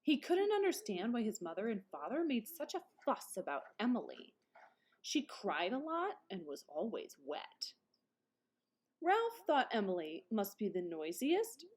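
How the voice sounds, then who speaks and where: A woman's voice: medium pitch, huge pitch swings, unhurried, darkish tone, slightly rough. A woman reading picture books aloud as a teacher would to her class. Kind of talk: children's story read-aloud.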